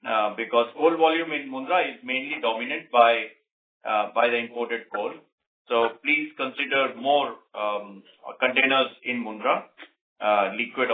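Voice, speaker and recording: A male senior executive answering on an earnings call in a deliberate, emphatic way. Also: medium pitch, slight background noise. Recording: narrow phone-like conference line.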